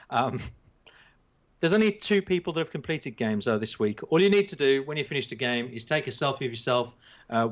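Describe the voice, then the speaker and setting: A man's voice: mid-range voice, fairly bright tone. A man with a Black Country accent hosts a casual podcast in a rambling, jokey, self-mocking way. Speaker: podcast host. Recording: slightly dull, lo-fi sound.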